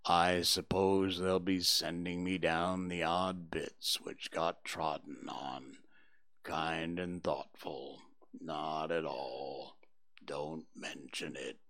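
A man voicing a gloomy, self-pitying old male donkey in a storybook reading, with a slow, mournful, breathy drawl. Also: extremely low pitch, flat delivery, fairly bright tone, dry recording, clean studio sound, voice pushed down, heavily acted.

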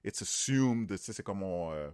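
A man's voice: sits low, expressive, moderate pace, a little mellow. A man with a Quebec French accent co-hosting a podcast. He cuts in eagerly and mixes English phrases into his French. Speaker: podcast co-host. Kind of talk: casual chat.

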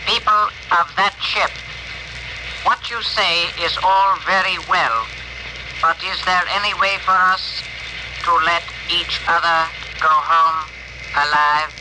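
A stiff, formal alien envoy. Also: male voice, high-pitched, fairly even intonation, takes it slowly. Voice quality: stiff, formal, literal phrasing. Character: formal alien ship translator, male. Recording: noisy old radio broadcast.

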